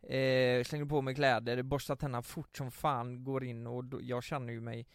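Young man with a gravelly voice. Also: medium pitch, level tone, dry recording, clean studio sound. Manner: rambling storytelling with swearing. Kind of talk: casual chat.

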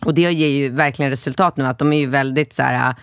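Animated, swearing Swedish-speaking mom host. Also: female voice, a bass voice, clear, resonant tone, no room sound, clean studio sound. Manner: animated storyteller, swears casually. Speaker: podcast co-host. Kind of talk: casual chat.

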